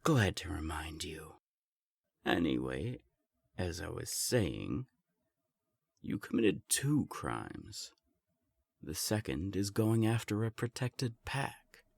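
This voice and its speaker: Man playing a smug, very deep ancient vampire. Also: sing-song, gravelly, slightly rough, dry recording, studio quality, full character voice. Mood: stern, taunting. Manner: taunting, unhurried, self-assured. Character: smug, ancient, powerful male vampire enforcer. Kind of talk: scripted audio drama acting.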